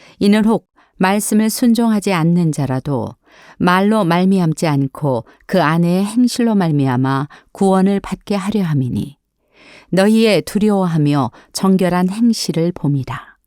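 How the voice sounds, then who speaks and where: The voice has a dark, mellow tone, lively intonation and very even loudness at a fairly slow pace. The sound is dry and close with no echo, in a very clean recording with a silent background. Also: woman, medium pitch for a woman. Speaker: retired broadcast announcer. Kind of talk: Bible reading.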